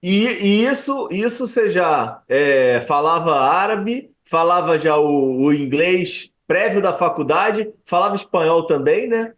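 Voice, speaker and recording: A man with a somewhat high voice hosts a casual interview. He often stammers over repeated words as he asks questions and pushes back on answers he doubts. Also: animated, unhurried, hardly any pauses. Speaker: podcast host.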